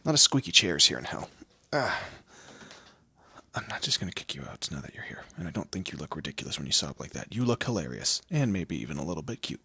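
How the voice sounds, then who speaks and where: A man performs a smug male demon lord for an audio roleplay. His low voice is husky and swoops with theatrical condescension. He is proud and teasing, as if torment were office work. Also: very animated, fast talker, pushed and bright, exaggerated voice. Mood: teasing, mocking. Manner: theatrical, condescending, drawling, with amused asides. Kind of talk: scripted audio roleplay addressed to the listener.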